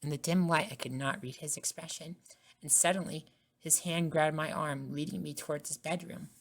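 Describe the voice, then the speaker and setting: A woman narrating a scripted first-person ASMR story in a soft-spoken way. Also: sits low, fairly even intonation, normal speed. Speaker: narrator and voice actor.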